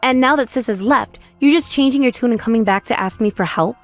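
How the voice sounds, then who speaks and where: A woman's voice: fairly high pitch, fairly quick, natural voice. Woman playing a bitter, hot-tempered grown daughter. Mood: furious. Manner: confrontational, emotional. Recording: voice over background music.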